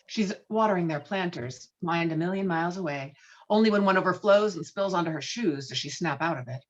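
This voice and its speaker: A woman's voice: on the low side, brisk, muffled recording. A woman reading stage directions as narrator in a script table read.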